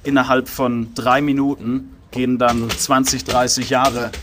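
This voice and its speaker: A man's voice: mid-range voice, little pitch movement, a little slow, fairly bright tone, soft background music. Man, podcast co-host, rambling casual storyteller, filler-heavy. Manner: rambling, many fillers, laughs easily. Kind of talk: casual chat.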